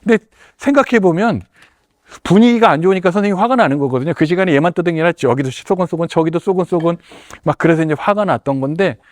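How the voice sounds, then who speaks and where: Animated man giving a teacher workshop. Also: fairly high pitch, fast talker, no room sound, clean studio sound. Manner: acts out classroom exchanges in varied voices. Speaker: head teacher presenting to teachers. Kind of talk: lively teaching workshop talk.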